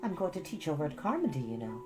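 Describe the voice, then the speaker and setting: Eager, earnest storybook teen girl acted by a woman, lively swooping pitch over guitar music. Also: fast. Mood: cheerful, determined. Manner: eager, expressive. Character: spirited, earnest, bright teenage girl. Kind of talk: storybook character voice.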